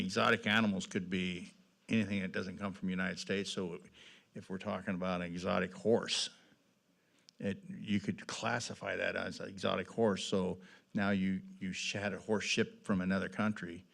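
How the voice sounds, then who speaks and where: Low, gravelly, plain-spoken councilman. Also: little pitch movement, normal speed, a bit bright. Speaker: city council member. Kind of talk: informal questioning at a meeting.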